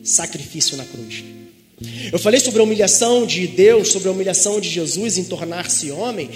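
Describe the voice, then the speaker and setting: Brazilian male preacher, high voice; lively, jokey sermon with asides; reverberant hall, music underneath. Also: normal speed. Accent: Brazilian Portuguese. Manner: lively, joking asides, digresses and laughs.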